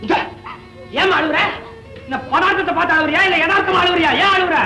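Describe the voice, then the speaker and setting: An actor playing a fast-talking comic rickshaw puller who teases with rapid wisecracks, in 1960s film comedy style, on an old soundtrack. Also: male voice, very high voice, steady tone, bright, forceful tone, faint music behind, heavily acted. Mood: teasing. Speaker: comic side character. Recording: echoey old film soundtrack with faint hiss.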